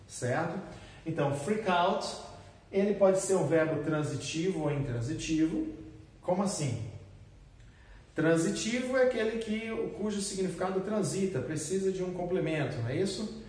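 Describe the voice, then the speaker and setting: Teacher in an echoey classroom. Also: male voice, sits high, a little mellow. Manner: switches between explaining and acted example exclamations, slow repeated drills. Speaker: English teacher. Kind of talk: recorded classroom lesson. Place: classroom with whiteboard. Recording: echoey room, voice from a distance.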